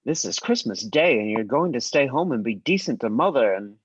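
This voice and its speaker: A man's voice: mid-range voice, expressive, brisk, husky, dry recording. A man voicing a stern, protective, earnest young brother in a screenplay table read, over muffled call audio. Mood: urgent, reproachful.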